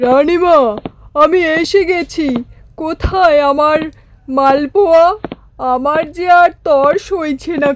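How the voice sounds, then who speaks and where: Lady doing a cartoon royal minister, really high voice, slow talking, eager and fawning. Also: fairly even intonation, low-quality recording. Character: eager, flattering royal minister, food-loving and deferential. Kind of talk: Bengali animated fairy-tale dialogue.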